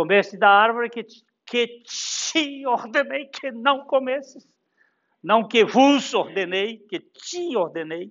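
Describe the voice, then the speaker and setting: Speaking at a very slow pace, a man with an extremely high pitch shows lively intonation and big swings in loudness. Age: 70s. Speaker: preacher. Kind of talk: sermon.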